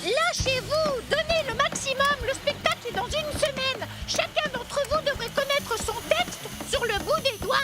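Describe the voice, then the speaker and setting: A woman's voice: extremely high pitch, normal speed, few pauses, loud music behind the voice. A woman voicing a vain, ambitious young female play director in a children's cartoon, with a dramatic, grandiose delivery. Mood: demanding. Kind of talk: French-dubbed children's cartoon acting.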